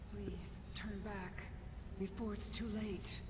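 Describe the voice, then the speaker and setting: A put-on character voice, delivered at a very slow pace over loud background noise. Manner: eerie, warning.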